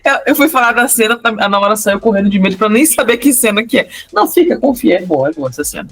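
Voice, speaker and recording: A young woman with a Brazilian Portuguese accent, co-hosting a podcast and telling a story in a casual, animated way with frequent laughter. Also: fairly high pitch, fast talker, gravelly, husky, faint music behind. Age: young adult. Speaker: podcast co-host.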